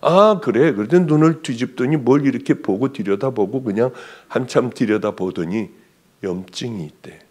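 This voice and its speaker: A male pastor preaching a sermon, telling a personal testimony with animated storytelling and acted-out dialogue. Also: mid-range voice, moderate pace.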